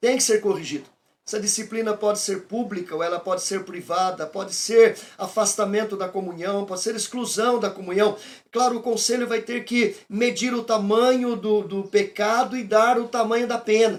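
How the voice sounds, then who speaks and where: A man speaks with a high pitch at a moderate pace. His intonation stays fairly even. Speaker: pastor teaching theology class. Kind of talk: lecture.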